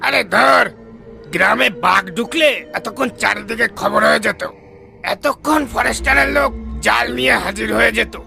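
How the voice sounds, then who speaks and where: A man voicing a gravelly scoffing cartoon villager. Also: very high-pitched, moderate pace, soft background music, exaggerated voice. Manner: scoffing, shouting. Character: scoffing village man Pocha, loud and blunt.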